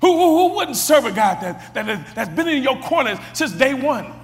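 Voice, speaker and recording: A man preaching a sermon, who stumbles over and repeats words and builds up to shouted exclamations. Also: very high-pitched, big pitch swings, normal speed, big-room sound, faint music behind.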